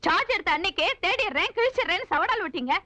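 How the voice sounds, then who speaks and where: A woman's voice: very high-pitched, lively intonation, fast talker, bright, forceful tone, no room sound, exaggerated voice. An actress playing an indignant woman official who sharply reproaches the police in a dubbed film. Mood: reproachful.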